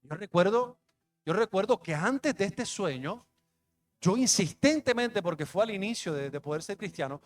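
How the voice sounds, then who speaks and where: A man's voice: sits high, animated, moderate pace, faint music behind. A young adult man, a pastor, telling a personal testimony in a conversational, emotional sermon. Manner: conversational, emotional storytelling with street slang.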